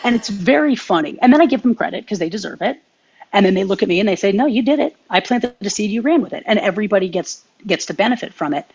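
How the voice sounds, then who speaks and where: Husky-voiced woman on a lo-fi line. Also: mid-range voice, fast talker. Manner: earnest, animated advice-giving. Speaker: podcast co-host. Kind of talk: casual chat.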